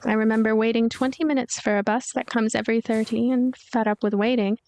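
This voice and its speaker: A woman voicing a lonely, gloomy ghost girl who narrates her story in a deadpan, weary, introspective way. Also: fairly high pitch, brisk, lightly acted. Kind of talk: first-person story narration.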